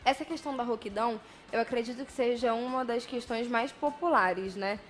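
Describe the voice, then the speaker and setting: A woman's voice: on the high side, a little fast, faint music behind. A woman with a Brazilian Portuguese accent hosting a TV talk show, asking chatty, conversational questions. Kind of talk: studio interview hosting. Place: television studio.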